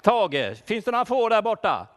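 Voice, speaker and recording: A worried shepherd, as a man plays him in a church, asks the children one question after another and calls out names. His voice sits high for a man and swoops up and down with plenty of animation. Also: very animated, a bit bright. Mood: searching, playful. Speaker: children's talk leader. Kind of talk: playful role-play for children.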